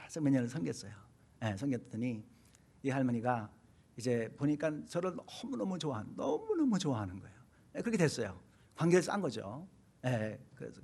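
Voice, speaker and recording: A man's voice: mid-range voice, a little mellow. A middle-aged man from Korea preaching a sermon, telling a personal story with frequent hesitations and repeated phrases. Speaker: pastor.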